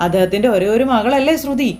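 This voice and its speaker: A woman voicing a calm, reassuring foster mother in quoted serial dialogue. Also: a little high, fast talker, natural voice. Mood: matter-of-fact.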